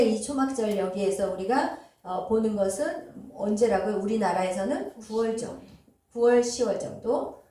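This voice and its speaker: Lady pastor explaining scripture, lots of "uh" pauses, booming echo, mic far away. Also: mellow. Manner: explanatory, addresses congregation directly, frequent "어" fillers. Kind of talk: Bible teaching sermon. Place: church sanctuary. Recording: very echoey hall, voice from far off.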